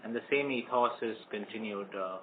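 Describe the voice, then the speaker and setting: A man with an Indian accent answering as a company executive on an earnings call, in a guarded, halting, formal way. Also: fairly low pitch. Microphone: telephone conference call. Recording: phone line with background hiss.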